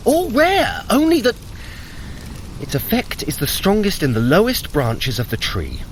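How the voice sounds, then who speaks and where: An actor playing a clever, impatient, sardonic trickster god in an audio drama, speaking formally in archaic phrases with a dry, condescending manner. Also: male voice, sits high, huge pitch swings, a little slow, slight background noise, exaggerated voice, low-quality recording. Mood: exasperated, pondering.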